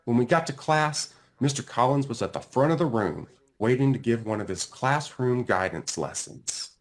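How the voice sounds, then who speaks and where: Expressive male storybook reader, very animated pitch. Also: normal speed. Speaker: author reading own book aloud. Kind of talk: expressive children's storybook narration.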